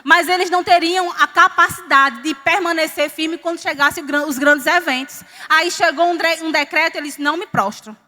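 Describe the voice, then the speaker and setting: A woman from Northeastern Brazil preaching a sermon, telling a personal story with lively quoted dialogue. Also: very high-pitched, moderate pace, few pauses. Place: church hall. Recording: reverberant church hall.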